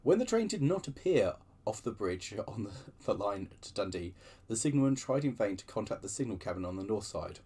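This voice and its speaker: Man, reader and host, lively pitch swings, breathy tone, storytelling with asides. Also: a little fast. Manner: lively storytelling with chatty digressions. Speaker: channel host reading aloud. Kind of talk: reading book extracts with asides.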